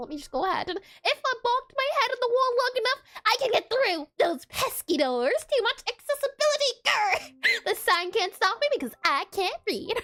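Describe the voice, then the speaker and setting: A woman uses a put-on character voice with an extremely high pitch. She speaks at a moderate pace as music plays in the background. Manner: loud.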